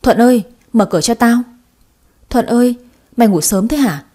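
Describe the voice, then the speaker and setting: A woman's voice: on the high side, lively intonation, normal speed. A woman voicing a blunt, teasing young male friend. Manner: loud, blunt, familiar.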